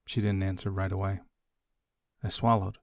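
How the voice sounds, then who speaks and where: A man reading scripted audiobook narration in a measured, hushed way with deliberate dramatic pauses. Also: low voice, level tone, creaky, no room sound, studio quality.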